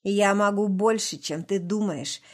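A woman's voice: mid-range voice, normal speed, close to an everyday voice. Menacing drunk husband, growling, sneering, audiobook figure, voiced by a woman narrator. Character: drunk abusive husband, middle-aged man.

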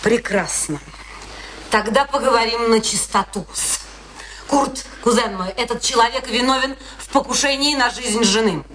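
A woman's voice: on the high side, moderate pace, noisy background, natural voice. An actress playing a bitter, defiant middle-aged wife in a radio play, answering her husband with terse, dry retorts. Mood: accusing.

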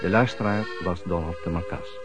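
A man's voice: low voice, brisk. A man formally reading the closing credits of a radio play as the announcer. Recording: dull, band-limited old radio recording. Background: accordion music.

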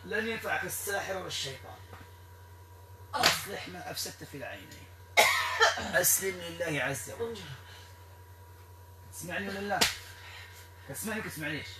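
A man with a Moroccan Arabic accent, performing an exorcism ritual in a stern, repetitive, commanding way that sometimes turns to shouting. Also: sits high, lively intonation, brisk, pauses often. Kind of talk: ritual commands to a possessed person. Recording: echoey room, distant mic, noisy.

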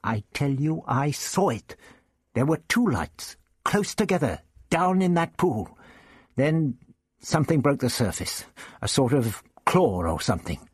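A man voicing an earnest, stubborn male schoolteacher who talks insistently, with a husky voice. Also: mid-range voice, big pitch swings, unhurried, no echo, studio quality, voice pushed up. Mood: urgent. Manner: insistent, urgent.

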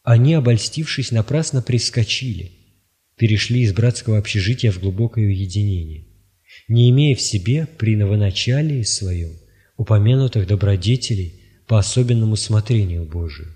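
Low, mellow-voiced man reading solemnly. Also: lively intonation, normal speed. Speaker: audiobook reader. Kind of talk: scripted reading of spiritual writings.

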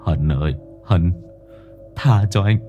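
A man's voice: deep voice, slow pace, highs cut off, faint music behind, pitched below the performer's own voice. A man voicing a terrified young village man who stammers and begs the ghosts to leave him alone. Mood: terrified, panicked. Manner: panicked, stammering shouts.

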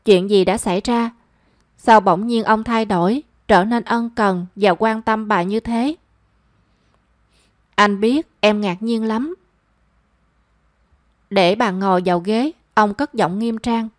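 A woman reading a romance story aloud as narrator, in a measured and expressive storytelling manner. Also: mid-range voice, no room sound, clean studio sound.

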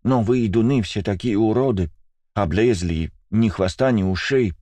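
A man voicing a timid young girl with rabbit ears, speaking in a hushed, hesitant whisper. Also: lowish voice, moderate pace, no room sound, voice pushed up, lightly acted. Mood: confiding.

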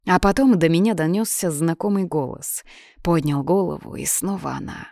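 A woman's voice: on the low side, moderate pace, gravelly, warm tone, no echo, studio quality. A woman narrating a first-person novel as a hot-tempered young man, in a plain audiobook reading voice.

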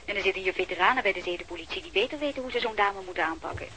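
A woman's voice: mid-range voice, animated, very fast, bright, forceful tone, a little hiss or hum. An actress with a Dutch accent playing a young female police trainee who is hesitant but earnest in a radio play. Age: young adult. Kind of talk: Dutch radio drama acting.

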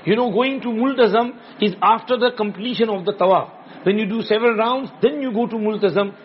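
A man's voice: high voice, a little fast. A man with a South Asian accent giving an informal religious lesson, instructing repetitively and checking that listeners follow. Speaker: religious teacher. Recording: dull lo-fi sound with background noise.

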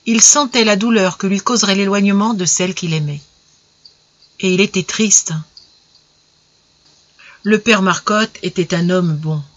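A storyteller reads an old tale at an even, measured pace, giving the lines gentle expression. The recording is dull and lo-fi, with a muffled top end. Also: mid-range voice, no room sound. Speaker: narrator. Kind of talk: audiobook story reading.

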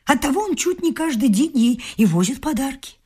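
A woman's voice: high voice, very animated, a little fast, mellow. Haughty, nagging, domineering mother-in-law. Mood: scolding, lecturing. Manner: scolding, emphatic nagging with whispered scorn. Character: domineering, grasping mother-in-law, haughty about her noble breeding. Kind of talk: theatrical radio drama acting.

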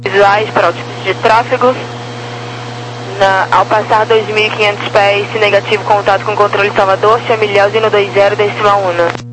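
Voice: medium pitch, level tone, normal speed. A Brazilian air traffic controller giving procedural instructions over aviation radio. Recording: noisy radio with mains hum.

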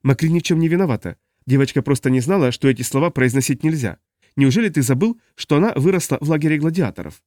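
A man's voice: on the high side, animated, fast talker, darkish tone, no room sound, clean studio sound, lightly acted. A man voicing a stern, motherly woman who cooks at a tavern and scolds and commands. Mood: reproachful.

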